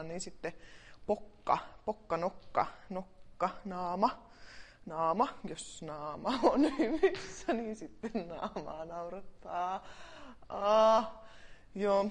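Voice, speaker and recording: Woman rambling in playful word chains. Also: on the low side. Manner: rambling, playful word association, laughing often. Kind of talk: improvised free-association monologue.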